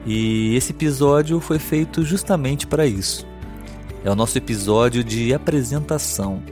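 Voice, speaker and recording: Friendly man in his thirties. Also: lowish voice. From Brazil, Rio de Janeiro state. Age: 30s. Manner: clear, friendly, unhurried delivery for language learners. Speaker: podcast host. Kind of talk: scripted solo podcast monologue.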